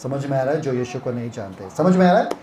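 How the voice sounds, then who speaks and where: A man's voice: medium pitch, big pitch swings, fast talker, dark tone. A man leading a Bible retreat session, teaching interactively and quizzing listeners with repeated questions. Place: retreat hall. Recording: echoey hall.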